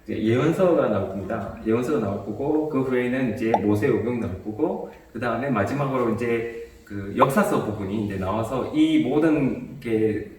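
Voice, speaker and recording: Priest explaining, echoey and distant. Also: male voice, medium pitch, normal speed, a little hiss or hum. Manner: calm, explanatory, with small restarts. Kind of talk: explaining a bible commentary in a chat.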